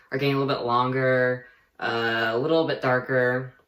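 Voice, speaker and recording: Behind the speaker, there is noticeable background noise. A man talks with fairly even intonation. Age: adult. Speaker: vlogger. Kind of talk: casual video diary. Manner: casual, halting with fillers.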